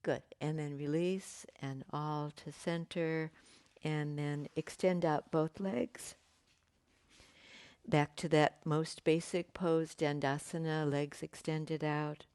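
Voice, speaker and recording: A woman teaching a yoga class, giving gentle, unhurried cues with pauses and fillers, her voice slightly croaky. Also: low voice, fairly even intonation, dry recording. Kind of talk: guided yoga class instruction.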